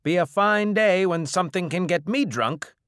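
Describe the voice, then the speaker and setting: A man voicing a gruff, suspicious alien bartender who bellows bluntly in an audiobook. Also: sits high, lively intonation, normal speed, a bit bright, dry recording, clean studio sound, pitched above the performer's own voice. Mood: gruffly impressed.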